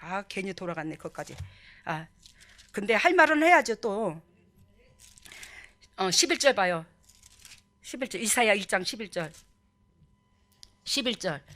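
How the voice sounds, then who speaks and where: A middle-aged woman pastor, preaching a lively sermon and acting out quoted voices. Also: medium pitch, measured pace, long pauses.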